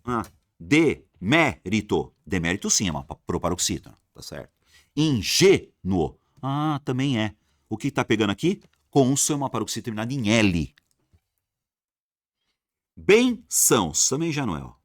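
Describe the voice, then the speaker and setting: Animated male grammar teacher. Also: fairly low pitch, moderate pace, no echo, clean studio sound. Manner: animated, repeats rules emphatically, answers imagined student questions. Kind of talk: exam-prep grammar lesson.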